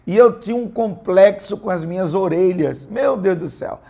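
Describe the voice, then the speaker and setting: A man's voice: high-pitched, moderate pace, dark tone. A man preaching a sermon in church, mixing teaching with playful personal stories. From Brazil. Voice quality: gravelly, husky. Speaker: pastor.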